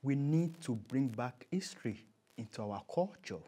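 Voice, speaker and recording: A man's voice: mid-range voice, animated, moderate pace, mellow. Emphatic Nigerian man being interviewed. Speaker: interview guest. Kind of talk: conversational interview.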